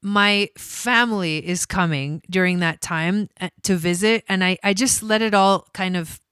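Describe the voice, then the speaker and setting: A woman's voice: on the low side, measured pace, a bit bright, clean tone, no echo. A woman from Argentina, an astrologer hosting a casual livestream, chatty and cursing freely with many fillers. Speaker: astrologer host.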